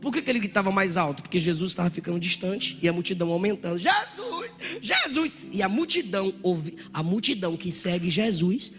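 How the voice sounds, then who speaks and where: A man preaching a Pentecostal sermon in a church, animated, often shouting and acting out voices from the crowd. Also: high voice, fast talker, hardly any pauses. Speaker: pastor. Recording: church hall reverb with music.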